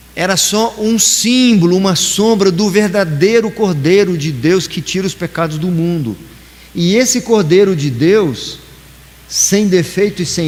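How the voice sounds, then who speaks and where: Speaking fairly slowly in a high pitch, a man uses lively intonation over noticeable background noise. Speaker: pastor. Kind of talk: Bible study teaching. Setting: church, livestreamed.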